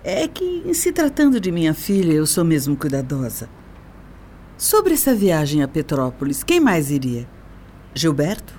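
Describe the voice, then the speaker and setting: A woman's voice: deep voice, huge pitch swings, moderate pace, mellow, slight background noise. An actress playing a respectable middle-aged Brazilian mother in a radio drama, formal, careful and sternly protective of her daughter. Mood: guarded, probing.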